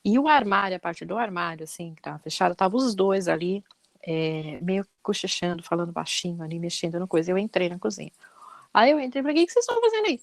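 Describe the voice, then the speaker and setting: A woman hosting a podcast, telling a story in an animated way with many fillers. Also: lowish voice, a little fast, creaky, no room sound. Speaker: podcast host. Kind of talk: casual storytelling conversation.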